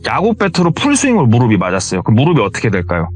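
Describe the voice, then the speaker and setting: A man recounts a scary true story in a relaxed, conversational manner. His mid-pitched voice moves up and down in a lively way. Faint music plays in the background. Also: very fast, breathy edge. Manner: conversational, retelling what he heard. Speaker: horror story narrator. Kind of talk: casual horror storytelling.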